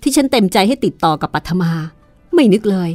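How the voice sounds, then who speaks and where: A woman's voice: mid-range voice, big pitch swings, brisk, dry recording, faint music behind, voice pushed up. A woman voicing an angry, protective older brother who speaks sternly, in a read-aloud horror novel. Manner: stern, forceful.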